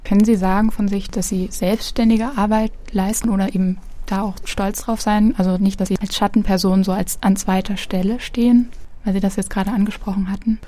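A woman interviewer asking prepared questions in a measured, formal manner. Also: mid-range voice, level tone, warm tone.

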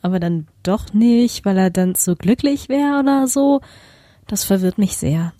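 A woman voicing a slow-witted, grumbling male dinosaur in a storybook poem. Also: mid-range voice, dark tone, no room sound, studio quality, natural voice.

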